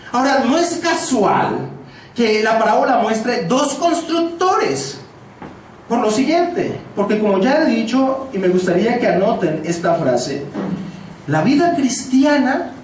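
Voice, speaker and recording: A man's voice: high voice, a little hiss or hum. Emphatic male preacher in an echoey hall. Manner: emphatic, repeats key phrases for stress. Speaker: pastor. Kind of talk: expository sermon. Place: church sanctuary. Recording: echoey church hall, mic from a distance.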